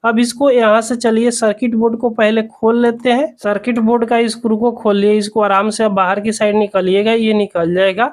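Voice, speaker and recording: A person explaining a repair step by step in an instructional, repetitive way, as the host of a tutorial. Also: mid-range voice.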